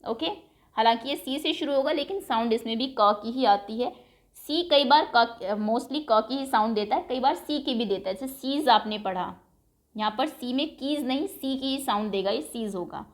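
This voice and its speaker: A woman teacher explaining an English lesson for young pupils, reading English lines slowly and then explaining them patiently in Hindi, repeating words aloud. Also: on the high side.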